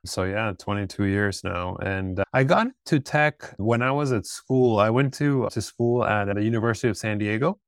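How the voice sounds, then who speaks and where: A man in his thirties from Peru, a guest telling his story in a casual interview, relaxed and rambling with restarts. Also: fairly low pitch, normal speed, few pauses, dry recording, clean studio sound. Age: 30s. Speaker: guest, startup founder.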